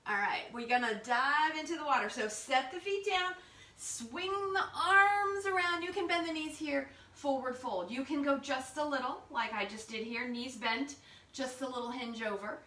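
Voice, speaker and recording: Female yoga teacher, very bright tone, playful step-by-step cueing, picked up far from the mic at home. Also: high-pitched, moderate pace. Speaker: yoga instructor. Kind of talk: guided yoga class instruction. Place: living room at home, indoors. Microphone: far camera across the room. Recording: roomy home sound, distant camera mic.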